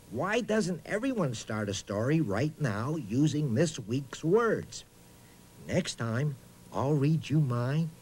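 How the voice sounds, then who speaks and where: A man's voice: medium pitch, slightly rough, exaggerated voice, low-quality recording. A man voicing a talking boot puppet on a children's reading show, eager and hammy, hesitating as he talks straight to young viewers. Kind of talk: children's reading lesson, playful recitation.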